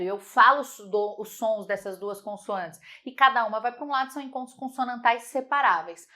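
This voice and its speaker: A lively woman teaching an online grammar lesson. Her voice sits fairly high, and she repeats each example word slowly to model its sounds. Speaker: Portuguese teacher.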